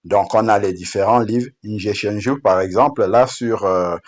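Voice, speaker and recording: Halting low-voiced man. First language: Bamoun. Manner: halting, with frequent fillers and restarts. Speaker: app creator presenting his Bible app. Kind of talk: unscripted screen-demo presentation. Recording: dull lo-fi sound.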